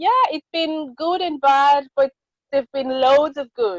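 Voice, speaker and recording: The voice, with a French accent, comes through dry and close with no echo. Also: woman. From Congo. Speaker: podcast guest. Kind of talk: casual chat.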